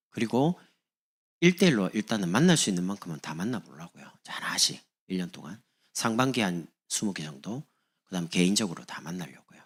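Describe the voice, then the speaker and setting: A man from Busan, preaching a sermon as pastor in an animated, humorous way. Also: sits low, breathy edge. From Busan, South Korea.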